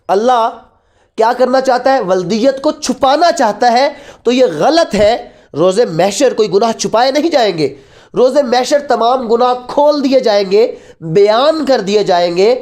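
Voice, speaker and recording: A Pakistani-accented law teacher lectures in a blend of Urdu and English, explaining didactically with repeated key phrases and rhetorical questions. She speaks at a moderate pace in a fairly high, slightly mellow voice with lively intonation.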